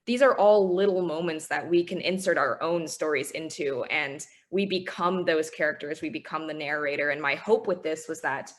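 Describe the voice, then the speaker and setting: As a guest author in an interview, this woman in her twenties, a native Chinese speaker, talks earnestly and reflectively, letting out small laughs. Her voice sits low, and she keeps a moderate pace with hardly any pauses.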